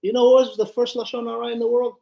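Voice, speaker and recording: A man's voice: very high voice, level tone, fast, creaky, dark tone. Guy rabbi teaching torah casually, acts out the dialogue, asks listeners stuff, echoey room. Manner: conversational, acts out dialogue, puts questions to listeners. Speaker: rabbi giving a Torah class. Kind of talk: informal Torah lesson with storytelling.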